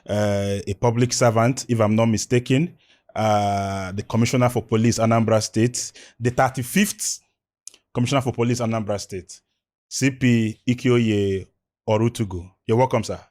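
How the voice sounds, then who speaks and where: A man with a Nigerian accent hosting an interview in a chatty, informal way, with drawn-out asides. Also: lowish voice, steady tone, darkish tone. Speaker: interview host.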